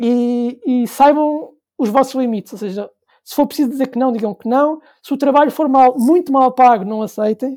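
In a very clean recording with a silent background, a man with an extremely high-pitched voice and a dark, mellow tone speaks at a moderate pace, with ordinary pitch variation and big swings in loudness. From Portugal, Lisbon. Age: 20s. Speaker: translator and writer. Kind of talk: interview.

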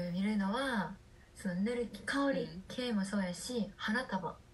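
A woman's fairly high voice, with ordinary pitch variation, comes through over noticeable background noise. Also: very even loudness. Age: 20s. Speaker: occasional co-host, university student. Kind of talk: casual chat. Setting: video call.

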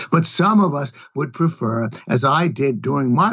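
A somewhat breathy male voice. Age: 70s. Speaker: economist and debate organizer. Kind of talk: podcast interview.

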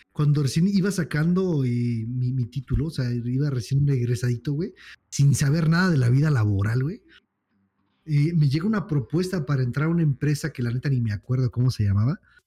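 A man with a Mexican accent talks at a fairly quick pace in a fairly high pitch, with lively intonation. His dark, mellow tone is somewhat breathy, on a very clean recording with a silent background. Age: 20s. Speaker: streamer. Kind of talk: casual chat.

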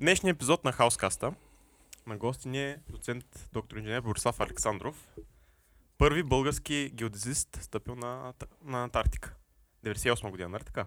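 An ordinary speaking voice moves at a moderate pace with ordinary pitch variation and big swings in loudness, on a very clean recording with a silent background. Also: man, medium pitch for a man. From Bulgaria, Burgas. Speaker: student podcast host. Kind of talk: interview.

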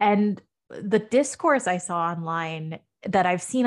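A woman's fairly slow, medium-pitched speech in a New York State accent against a quiet background. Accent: American, New York State. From upstate New York. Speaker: podcaster. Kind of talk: casual interview.

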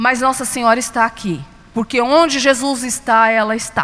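In a Brazilian accent, a woman talks at a fairly high pitch. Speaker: lay preacher leading a prayer group. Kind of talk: sermon and guided prayer. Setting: prayer group, streamed online. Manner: fervent, exhorting, leading call-and-response prayer.

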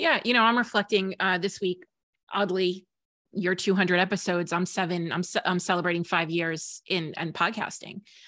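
An ordinary speaking voice moves at a moderate pace with fairly even intonation, captured on a very clean recording with a silent background. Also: woman, medium pitch for a woman. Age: 40s. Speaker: business coach and podcast host. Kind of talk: casual interview chat.

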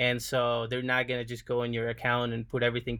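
With a Uruguayan accent, a man talks at a very fast pace in a medium pitch, his intonation monotone and flat. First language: Spanish. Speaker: video production business owner. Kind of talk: casual interview. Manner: halting, with repeated words and fillers.

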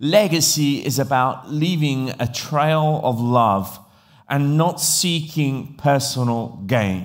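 Speaking very slowly, a man shows an English accent. His pitch is fairly high, with ordinary variation. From England. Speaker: pastor. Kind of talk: sermon. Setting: church.

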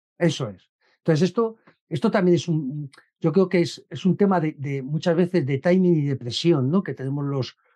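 Speaking at a moderate pace with ordinary pitch variation, a man has an ordinary speaking voice at a fairly high pitch. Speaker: B2B sales consultant. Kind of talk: casual interview.

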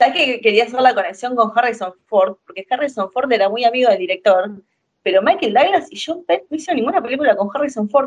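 Talking at a very fast pace, a woman uses a high pitch and lively intonation. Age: 30s. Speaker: podcast co-host. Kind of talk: casual chat. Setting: call. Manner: animated.

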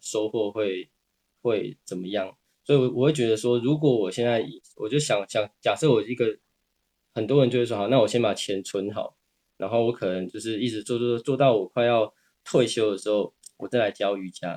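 Dark and mellow in tone, a man's medium-pitched voice moves at a moderate pace with ordinary pitch variation, recorded dry and close with no echo. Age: 30s. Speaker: yoga teacher, former engineer. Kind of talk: interview. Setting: online live stream.

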